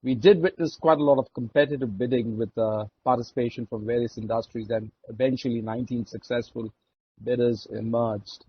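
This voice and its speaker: A man with an Indian accent giving a formal, measured and somewhat hesitant executive report on an earnings call. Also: medium pitch, steady tone, muffled recording, slight background noise. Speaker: oil and gas executive. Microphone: conference call line.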